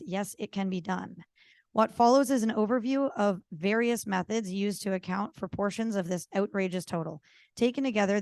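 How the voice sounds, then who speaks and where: A woman's voice: medium pitch, darkish tone, no room sound. Woman moderator, losing her voice. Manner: casual, with many fillers. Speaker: conference moderator. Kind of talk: introducing speakers at a conference. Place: conference hall.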